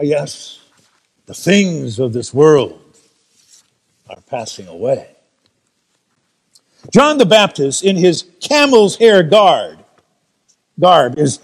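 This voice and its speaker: An American man preaching a sermon as pastor, telling stories with playful asides. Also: high voice. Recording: long reverb in a large room.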